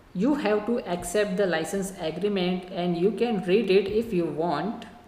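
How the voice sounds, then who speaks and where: With a non-native accent, a woman speaks at a very slow pace and medium pitch, and the room echo is audible. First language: not English. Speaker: online course instructor. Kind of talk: tutorial.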